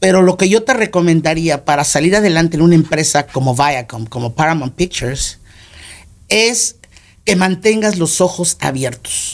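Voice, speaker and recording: A man speaks at a moderate pace with lively intonation. His pitch sits high for a man. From Chiapas and Mexico City, then Los Angeles. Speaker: entrepreneur. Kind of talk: interview.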